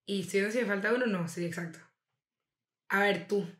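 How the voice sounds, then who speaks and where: A woman's voice: mid-range voice, moderate pace. A young woman, gossiping casually as a podcast co-host and laughing often. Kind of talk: casual chat. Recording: roomy echo.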